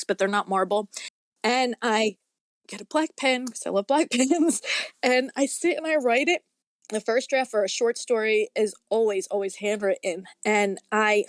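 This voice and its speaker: A woman with a medium-pitched voice is a guest author in a casual interview, talkative, earnest and rambling, often saying "you know" and "like." The recording is clean studio sound with no echo.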